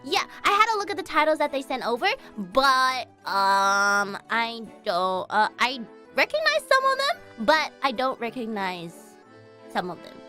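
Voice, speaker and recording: Sing-song and a little high, with a sharp tone and a measured pace, a female streamer giggles and chats during a casual live stream, faint music behind her. She talks through her audio settings out loud, and her heavily compressed mic has reverb added.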